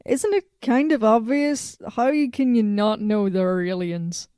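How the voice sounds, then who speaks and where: A woman's voice: mid-range voice, animated, a little slow, dark tone, no echo, clean studio sound, close to an everyday voice. A woman playing a blunt, self-assured robot from the future in an audio drama, matter-of-fact and a little condescending. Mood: amused disbelief.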